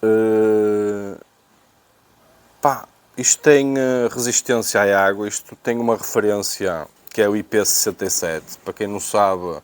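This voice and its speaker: A man's voice: fairly low pitch, unhurried, smooth, dry recording. A man with a European Portuguese accent presenting an unboxing in casual, unscripted talk, hesitating and repeating himself as he thinks aloud. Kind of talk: casual unscripted product review.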